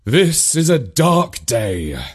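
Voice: mid-range voice, very animated, very slow, breathy edge, voice pushed up, exaggerated voice. A storyteller voicing a pompous, gloomy middle-aged father speaking mock-solemnly.

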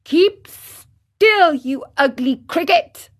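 A woman reading a storybook aloud, voicing a naughty, hot-tempered boy marionette who talks loudly and defiantly. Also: a little high, animated, takes it slowly, pitched above the performer's own voice. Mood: angry. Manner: loud, defiant and impatient.

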